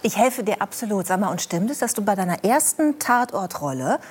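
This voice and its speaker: A woman's voice: mid-range voice, big pitch swings, brisk, husky. Chatty female talk show host. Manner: fluent, chatty questioning.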